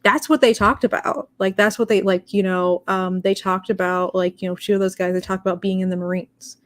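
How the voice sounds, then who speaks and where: A woman's voice: mid-range voice, fairly even intonation, a little fast. A young woman in casual discussion, talking in a rambling way with many fillers and restarts.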